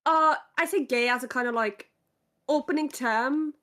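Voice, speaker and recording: A woman's voice: high-pitched, normal speed, fairly bright tone. A woman from Norway with a British-sounding accent, chatting casually with blunt, sweary directness. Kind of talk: casual group chat.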